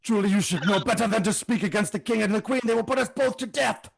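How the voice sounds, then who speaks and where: Man putting on a pompous, high-voiced courtier. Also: fast, vocal fry, husky, full character voice. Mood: pompous, alarmed. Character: pompous, timid royal courtier speaking mock-Shakespearean. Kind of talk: improvised comedy acting.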